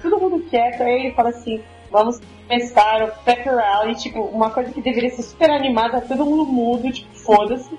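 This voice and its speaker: An excitable woman chatting on a casual podcast, her voice sitting a little high. She laughs often and acts out scenes as she retells them. The sound is dull and lo-fi, with faint music underneath. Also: fairly quick, hardly any pauses. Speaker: podcast co-host. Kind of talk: casual chat.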